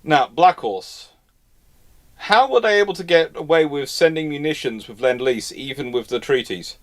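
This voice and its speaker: A man with a slightly high voice and lively intonation speaks at a moderate pace. He's hosting a live Q&A, answering audience questions in a casual, knowledgeable way about history, and he often restarts and repeats his phrases.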